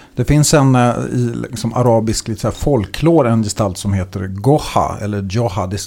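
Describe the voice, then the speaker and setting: A man speaks at a moderate pace in a normal speaking voice. His pitch is medium, with ordinary pitch variation. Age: 40s. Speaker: journalist. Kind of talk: casual chat.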